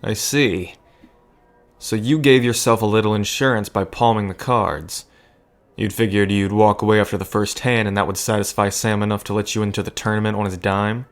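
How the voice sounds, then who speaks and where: Man playing a low-voiced, wry sidekick. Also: fairly even intonation, moderate pace, lightly acted. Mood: probing. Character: wry, cautious male sidekick of a poker boss. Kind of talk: scripted audio drama dialogue.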